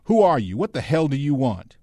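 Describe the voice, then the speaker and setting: A man voicing a hot-tempered young white soldier boy in an audiobook, with a high, shaky, menacing voice. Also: normal speed, darkish tone, dry recording, studio quality, lightly acted. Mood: suspicious anger. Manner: indignant, menacing.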